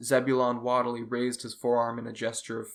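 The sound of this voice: The clip has an unforced reading voice. It is read aloud in that manner.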